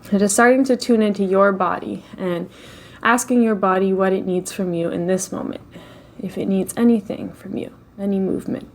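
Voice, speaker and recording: A woman leading a slow guided meditation in a gentle, unhurried way, with long pauses between phrases. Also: medium pitch, fairly even intonation, slight background noise.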